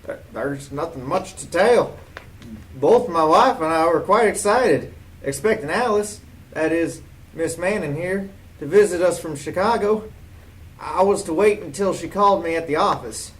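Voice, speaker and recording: A man's voice: a little high, animated, unhurried. A man playing a nervous husband in an amateur radio-style mystery play. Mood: uneasy. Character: nervous husband shocked by his wife's murder. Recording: distant mic with faint background noise.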